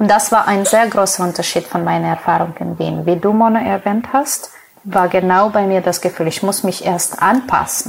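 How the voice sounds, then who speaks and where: Noticeable background noise sits behind a woman who speaks at a moderate pace, her medium pitch showing ordinary pitch variation. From Ukraine, then Israel from age 13. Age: 30s. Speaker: cantor and singer. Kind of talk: casual interview chat.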